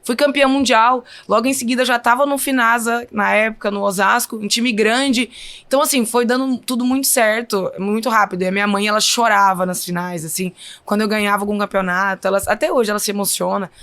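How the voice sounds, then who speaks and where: A woman's voice: medium pitch, steady tone, brisk, fairly bright tone. Chatty woman with a Minas Gerais accent. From Brazil. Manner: chatty, often says "então, assim". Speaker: guest volleyball player. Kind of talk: casual interview storytelling.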